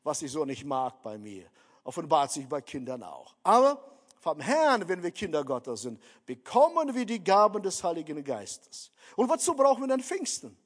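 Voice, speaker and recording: A man's voice: fairly high pitch, very animated, normal speed. A man preaching a sermon, emphatic, repeatedly calling his listeners dear friends. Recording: long hall reverb.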